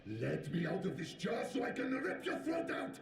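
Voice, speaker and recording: A high, swooping voice of a snarling captive stuck inside a jar, sounding muffled and caught in a roomy echo. He threatens and then wheedles, sliding all over his range in a game's audio. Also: wildly swooping pitch, moderate pace, gravelly, distant mic, soft background music, exaggerated voice. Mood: menacing.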